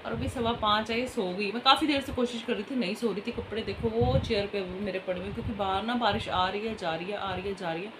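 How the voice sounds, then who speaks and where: A woman's voice: mid-range voice, fast, hardly any pauses. A woman in her thirties with a sore throat, chatting casually at home in a family vlog. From Punjab, India. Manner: chatty, scolding kids in bursts, quiet asides. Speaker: vlogger. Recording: ambient background noise.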